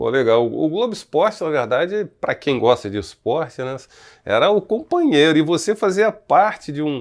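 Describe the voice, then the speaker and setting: A man talks at a moderate pace with very wide pitch swings, recorded very cleanly against a silent background. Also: fairly high pitch for a man. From Minas Gerais, Brazil. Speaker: radio announcer. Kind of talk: interview.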